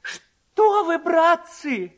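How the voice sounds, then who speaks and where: A superstitious village distiller in a storybook tale. He lectures like a know-it-all in a raised, high voice with lively swings. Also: very slow, exaggerated voice. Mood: chiding, knowing. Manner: lecturing, chiding.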